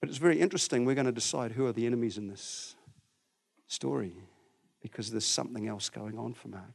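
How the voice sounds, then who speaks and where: Talking very fast at a medium pitch, a man uses an animated tone with lively intonation, vocal fry, big swings in loudness and long, frequent pauses. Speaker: preacher giving a talk at a church. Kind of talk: sermon. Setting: church with live audience. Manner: animated, humorous storyteller.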